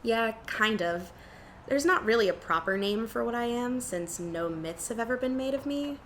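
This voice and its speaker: A woman's voice: on the high side, animated, moderate pace, a bit bright, a little hiss or hum. A woman playing a wry, frank cryptid empath in an audio drama, with a dry, teasing, casual delivery.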